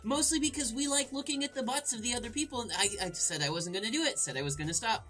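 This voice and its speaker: Bright, animated woman doing game commentary. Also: on the high side, quick pace, soft background music. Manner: irreverent, crude, jokey asides. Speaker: let's play host. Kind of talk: game commentary and reading aloud.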